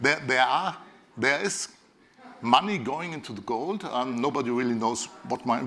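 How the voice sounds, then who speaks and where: Over noticeable background noise, a man with a non-native accent speaks with lively intonation. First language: German. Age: 50s. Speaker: financial journalist. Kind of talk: onstage interview. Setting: stage with audience. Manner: halting, many fillers and repeats.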